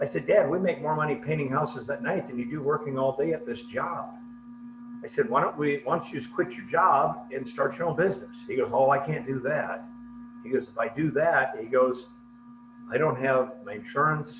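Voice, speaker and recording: Speaking at a moderate pace, a man with a fairly high pitch swings his pitch very widely over noticeable background noise. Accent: American. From US Midwest, small-town Iowa. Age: 60s. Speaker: real estate investor and speaker. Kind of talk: seminar talk. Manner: casual, storytelling.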